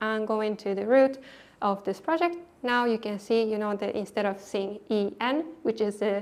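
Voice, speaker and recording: At a moderate pace, a woman with a Japanese accent speaks with a fairly high pitch. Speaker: developer advocate. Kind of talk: conference talk. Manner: frequent fillers.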